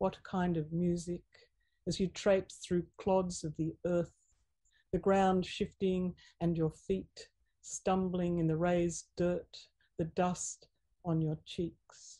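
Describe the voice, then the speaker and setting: A woman talks at a very slow pace in a monotone, flat delivery, somewhat breathy, with a fairly low pitch and a dark, mellow tone. Long, frequent pauses break up her speech over a quiet background. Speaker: poet. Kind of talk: poetry reading. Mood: calm, expressive. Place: home room. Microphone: webcam.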